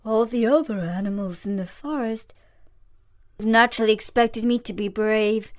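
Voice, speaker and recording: A woman's voice: fairly high pitch, normal speed, natural voice. A woman voicing a big, timid male lion in a storybook, mournful and plaintive. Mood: sorrowful.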